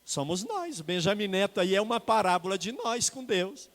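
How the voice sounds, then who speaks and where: High-voiced Brazilian pastor in a reverberant church. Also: male voice, a little fast. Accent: Brazilian Portuguese. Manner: emphatic, swings from hushed to shouted, calls on the congregation. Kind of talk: sermon. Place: church sanctuary. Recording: long reverb of a church hall.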